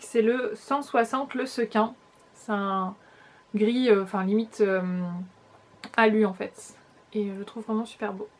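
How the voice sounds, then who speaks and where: A young woman with a fairly high voice talks through a makeup haul in a loose, chatty way. She speaks straight to her viewers and often stops and restarts mid-phrase. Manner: chatty, hesitant restarts, addresses viewers directly. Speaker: beauty vlogger. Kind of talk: casual makeup haul review.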